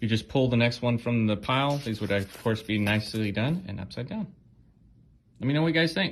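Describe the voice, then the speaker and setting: This is a man with an ordinary speaking voice at medium pitch. He talks at a fairly quick pace with ordinary pitch variation. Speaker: aspiring board game designer and vlogger. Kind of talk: casual video diary.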